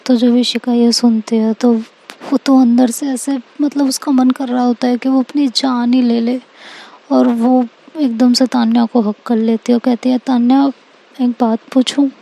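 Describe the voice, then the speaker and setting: A woman telling a love story casually, linking each sentence with a relaxed "so". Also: on the high side, moderate pace, creaky, poor audio. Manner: conversational, links every sentence with "to".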